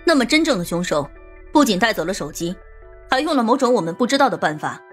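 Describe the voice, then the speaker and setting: A woman plays a sharp-minded female police leader in a detective audiobook. She reasons aloud deliberately, with lively swings in a mid-pitched voice and faint music behind. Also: close to an everyday voice. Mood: deductive.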